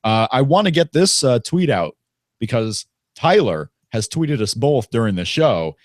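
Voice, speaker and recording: Male co-host from Indiana, mid pitch, dry close sound, rambling casual talk. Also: big pitch swings, a little slow, no echo. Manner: rambling, many fillers and restarts. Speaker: podcast co-host. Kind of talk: casual wrestling chat.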